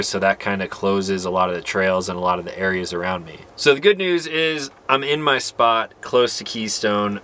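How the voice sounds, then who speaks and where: A man's voice: on the low side, pushed and bright, slight background noise. A man in his thirties chatting casually to camera as a vlogger inside a small truck camper.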